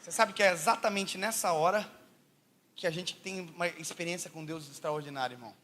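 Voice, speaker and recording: A young Brazilian man preaching with humor, telling stories in an animated, joking way that rises to shouts. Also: a little high, brisk. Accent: Brazilian Portuguese. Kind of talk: humorous sermon storytelling.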